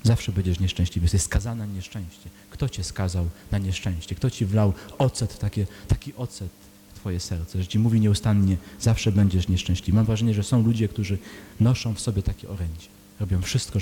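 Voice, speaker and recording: Male preacher, low mellow voice, earnest questioning sermon delivery, long hall echo with a faint hum. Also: steady tone, fairly quick. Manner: rhetorical questions, earnest and pleading. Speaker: priest.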